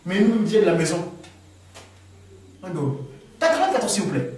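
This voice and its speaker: A man from the Republic of the Congo answering questions before an audience, animated, often repeating and restarting his words. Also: sits high, normal speed. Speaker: speaker answering questions at a gathering. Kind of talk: spontaneous talk to an audience. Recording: echoey room, far from the mic.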